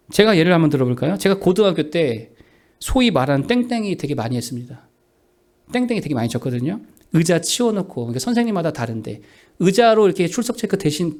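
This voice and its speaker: A man's voice: a little high, a little mellow. A middle-aged male pastor giving a sermon, posing questions to the congregation and answering them himself.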